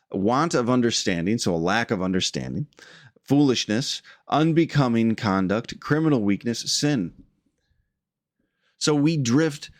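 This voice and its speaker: A man giving an earnest, reflective spiritual teaching in an informal way, pausing often with fillers. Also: medium pitch, dry recording, clean studio sound.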